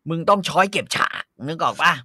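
A man co-hosting a casual podcast, ranting bluntly and profanely in an animated way. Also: on the high side, fast, dry recording, studio quality. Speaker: co-host.

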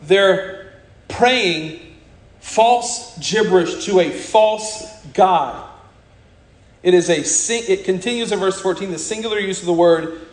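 A man from America preaching a sermon, blunt and scornful, slowing hard on key words for emphasis. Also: high voice, reverberant.

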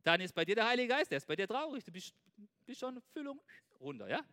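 A man giving an informal, animated sermon, talking straight to his listeners and checking in with them constantly. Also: very high-pitched, fast talker. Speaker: preacher.

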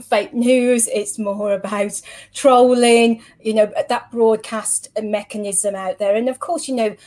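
A woman's voice: on the high side, darkish tone. A middle-aged woman answering interview questions in a chatty, explanatory, conversational way. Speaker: interview guest, social media professional.

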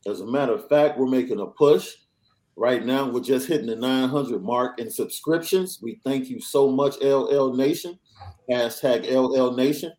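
A young adult man hosting a casual sports podcast, reading through news in an energetic, chatty way. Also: medium pitch, moderate pace. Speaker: podcast host.

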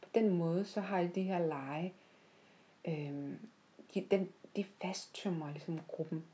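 A woman telling personal stories off the cuff in a heartfelt, reflective way, often pausing mid-sentence. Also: on the low side, dark tone. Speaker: podcast host. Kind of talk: unscripted reflective personal storytelling.

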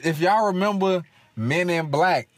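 A man's voice: high-pitched, unhurried, no room sound. Joking man with African American English. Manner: joking, storytelling, profane. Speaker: podcast guest. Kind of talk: casual chat.

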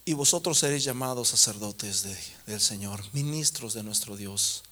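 A male preacher, giving a fervent sermon that rises to loud emphatic peaks. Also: fairly low pitch, normal speed.

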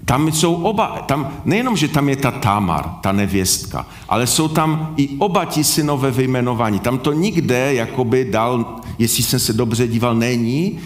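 A man's voice: medium pitch, animated. A man preaching a sermon, earnestly putting questions to his congregation. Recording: echoey room.

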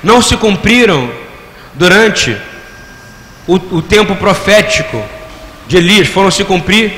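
A man's voice: sits high, animated, a little slow, bright, forceful tone. A man preaching a sermon, drawing the congregation into repeating phrases and firing rhetorical questions at them. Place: church hall. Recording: echoey hall with long reverb, faint room noise.

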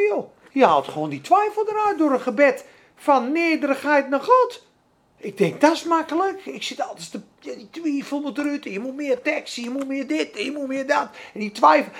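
A woman preaching a sermon with fervent emphasis, asking her own questions and answering them, swinging between soft and loud. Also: high voice, big pitch swings, normal speed.

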